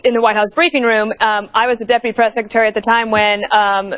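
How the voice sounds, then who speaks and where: A woman's voice: fairly high pitch, fairly even intonation, fast talker, a bit bright. A woman co-hosting a news panel, a former press aide, asking articulate questions with light fillers. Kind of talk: cable news panel discussion.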